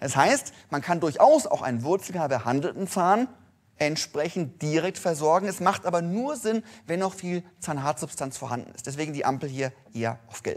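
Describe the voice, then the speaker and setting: Moderate pace, big swings in loudness, and a quiet background. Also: man, high pitch for a man. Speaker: dentistry professor. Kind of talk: lecture. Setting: stage with audience. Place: hall.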